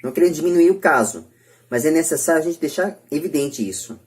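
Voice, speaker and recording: Low-pitched Brazilian woman, emphatic. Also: lively intonation, quick pace, a little mellow. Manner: emphatic, repetitive delivery. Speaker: podcast host. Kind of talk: opinionated podcast debate.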